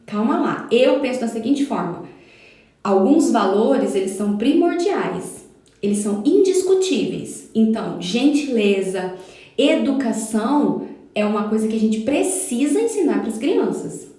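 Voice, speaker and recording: Brazilian female educator, fairly high mellow voice, emphatic and insistent, live-stream feel, very echoey room. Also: big pitch swings, measured pace, distant mic. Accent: Brazilian Portuguese. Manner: emphatic, insistent, acts out little dialogues. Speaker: parental educator.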